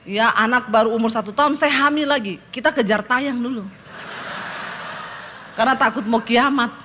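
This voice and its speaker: A high-pitched, middle-aged woman pastor preaches a humorous testimony from a church stage. She tells her story in a lively, joking way, acting out the quotes. Faint ambient noise sits behind her voice. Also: normal speed.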